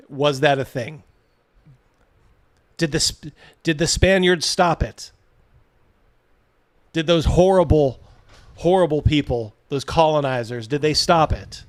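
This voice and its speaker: A man with a fairly high voice hosts a casual livestream reaction. He talks bluntly and mockingly, swears freely and breaks off to read viewer comments. The sound is close and dry, without room echo. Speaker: host of a livestream reacting to a video.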